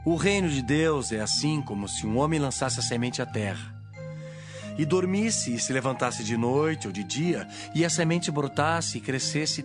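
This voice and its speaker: A man's voice: mid-range voice, natural voice. Male actor as authoritative holy teacher, solemn, widely varied intonation, audio Bible drama, prominent music.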